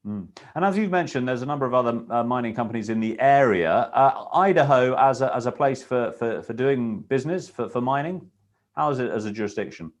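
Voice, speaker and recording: A man's voice: medium pitch, lively intonation, fairly quick. A man interviewing a business guest, asking questions with hesitant phrasing and repeated words.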